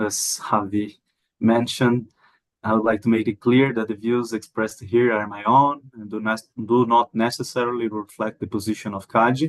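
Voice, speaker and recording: A man speaks at a moderate pace in a medium pitch, monotone and flat in intonation, with big swings in loudness. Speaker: antitrust official. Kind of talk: panel discussion. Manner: formal.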